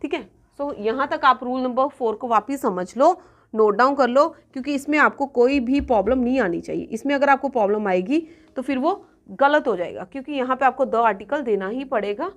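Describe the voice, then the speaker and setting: Brief: woman exam-coaching teacher, somewhat high voice, patient repeated examples. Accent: Punjabi-influenced Hindi-English. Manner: checks in often with students, repeating examples slowly. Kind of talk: classroom grammar lesson.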